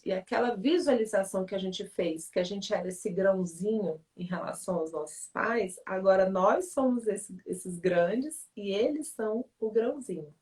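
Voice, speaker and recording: A woman's voice: mid-range voice, darkish tone. Woman explaining, slightly distant mic. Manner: reflective, teacherly, frequent "né?" check-ins. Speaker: author and family-relations speaker in a livestream. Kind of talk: explanatory talk in a live conversation.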